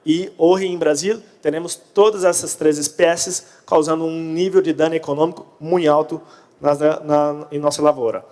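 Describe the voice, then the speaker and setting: A man with a Brazilian accent gives a conference talk in a fairly high-pitched voice. He is a native Portuguese speaker mixing in Spanish as Portunhol. The sound carries the long reverb of a large hall. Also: steady tone, normal speed, darkish tone. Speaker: conference speaker on pest control. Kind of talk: conference presentation.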